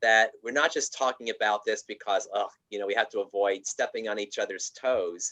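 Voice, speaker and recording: A man's voice comes across dry and close, with no echo. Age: 60s. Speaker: diversity consultant and trainer. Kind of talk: live-streamed interview.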